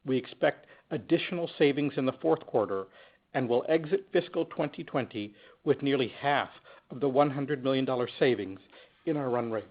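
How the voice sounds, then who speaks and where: A man presenting scripted financial results as a company executive, in a measured, businesslike manner on slightly dull conference call audio. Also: medium pitch. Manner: measured, businesslike, reading prepared remarks.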